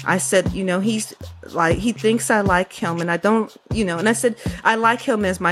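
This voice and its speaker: The voice has ordinary pitch variation, with music playing in the background. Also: woman. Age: 40s. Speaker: podcast co-host. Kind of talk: casual chat.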